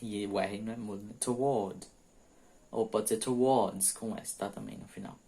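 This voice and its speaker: A man teaching English prepositions, reading example sentences slowly and explaining them quickly, often checking in with "ok?". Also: fairly low pitch, little pitch movement, darkish tone. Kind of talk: bilingual grammar lesson.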